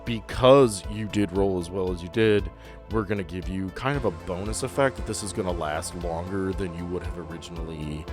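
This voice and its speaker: Male game master, low-pitched and easygoing, casual tabletop narration with faint music underneath. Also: a little fast.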